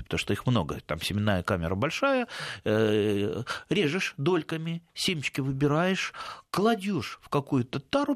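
A man's voice: lowish voice, no room sound, clean studio sound. A man giving gardening advice on a radio show, in a folksy, rambling way with many hesitations and restarts. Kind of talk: casual advice chat.

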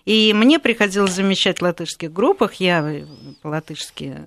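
A woman in her sixties from Latvia, a politician, who speaks with frequent pauses, fillers and restarts in a conversational interview. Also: lowish voice, expressive, no room sound. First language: Russian. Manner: hesitant, many fillers and restarts.

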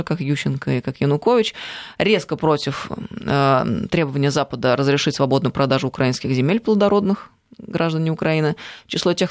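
A woman hosting a political talk show, speaking in an emphatic, indignant way. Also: low-pitched.

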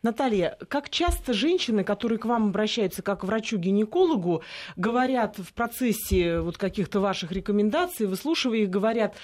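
A woman's voice: medium pitch, animated, brisk, darkish tone. Chatty woman host asking long questions. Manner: long winding questions with fillers. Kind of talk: interview questions.

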